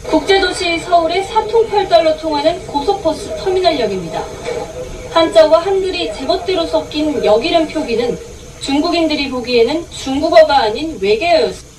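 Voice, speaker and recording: Very high-pitched woman reporting news, distant. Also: lively intonation, brisk. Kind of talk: scripted news report narration. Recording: distant TV playback with crowd noise.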